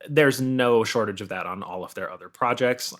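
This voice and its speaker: A man's voice: medium pitch, normal speed, fairly bright tone. An American man as a podcast guest, chatting casually with wry, anecdotal asides.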